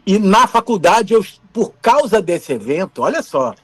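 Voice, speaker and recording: A man's voice: high voice, very animated, measured pace, breathy edge. A man in his fifties from Brazil, a former TV camera operator, telling anecdotes in an interview and acting out the dialogue. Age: 50s. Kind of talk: storytelling interview.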